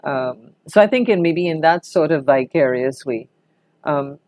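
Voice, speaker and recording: A woman's voice: low-pitched, lively intonation, measured pace, a little mellow, dry recording, studio quality. An older woman with a Trinidadian accent reminiscing conversationally in an interview, telling anecdotes expressively as a veteran broadcaster.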